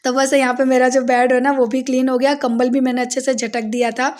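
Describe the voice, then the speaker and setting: A high-pitched young woman from India talks casually to her viewers, walking them through her day at home. Her delivery is chatty and direct, like a family vlogger narrating chores. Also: level tone, fairly quick, darkish tone. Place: home, village house.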